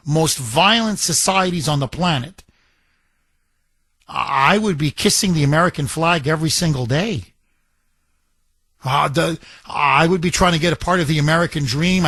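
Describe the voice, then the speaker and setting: A man's voice: on the high side, fairly bright tone, dry recording. A man hosting a call-in radio show, talking in a combative, emphatic and scornful way. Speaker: radio talk show host. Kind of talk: talk radio monologue and call-in.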